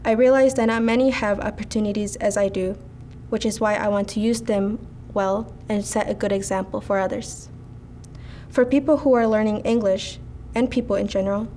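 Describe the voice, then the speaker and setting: A woman's voice: on the high side, warm tone, slight background noise. Earnest teenage girl reading a speech. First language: Spanish. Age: teens. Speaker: student speaker.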